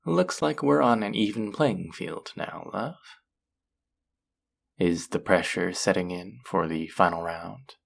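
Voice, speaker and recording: A woman's voice: very deep voice, takes it slowly, vocal fry, heavily acted. A woman playing a flirty, possessive demon casino dealer in an intimate roleplay audio drama, teasing and taunting the listener. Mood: smug, flirty.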